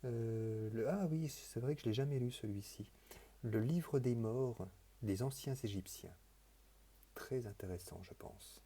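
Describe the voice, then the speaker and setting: Very dark-voiced man, rambling softly. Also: medium pitch, unhurried, husky. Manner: rambling and hesitant, with repeated words and restarts; earnest, softly enthusiastic. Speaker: vlogger presenting his books. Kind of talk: casual, improvised monologue.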